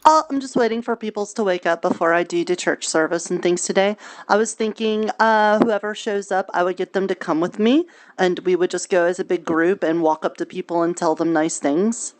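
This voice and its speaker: A woman roleplaying an earnest, naive, cheerful young preacher, talking in a halting, childlike way with folksy grammar. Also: on the low side, natural voice. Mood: friendly, chatty. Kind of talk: improvised virtual reality roleplay.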